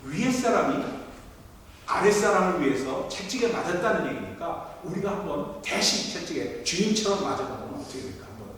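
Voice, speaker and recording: Middle-aged pastor, storytelling sermon, distant mic, faint room noise. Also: male voice, high voice, very animated, brisk. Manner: storytelling, acting out quotes, shouting at peaks. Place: large church sanctuary. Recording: echoey hall from far off.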